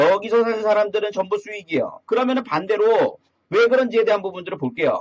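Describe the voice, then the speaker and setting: With an animated tone and lively intonation, a man speaks at a moderate pace in a high voice. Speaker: stock trading instructor. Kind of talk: live online lecture.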